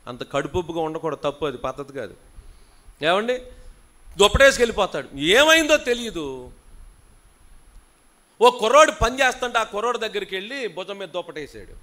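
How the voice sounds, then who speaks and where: A man preaching as a pastor at a fasting prayer meeting. He scolds and teases his congregation, calls on them to answer aloud, and moves between soft asides and loud, rising rebukes. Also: sits high, lively intonation.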